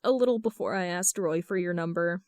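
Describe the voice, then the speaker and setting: Woman voicing soft, sheepish young man. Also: lowish voice, brisk, no room sound, clean studio sound, natural voice. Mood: sheepish, unsure. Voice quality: soft, unsure. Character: sheepish, cringing young man admitting a secret.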